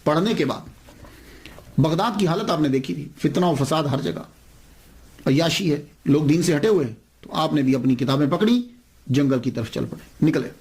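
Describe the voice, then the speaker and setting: Animated man telling a devotional story. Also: fairly high pitch. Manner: animated storyteller, repeats key phrases, asks and answers his own questions. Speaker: religious lecturer.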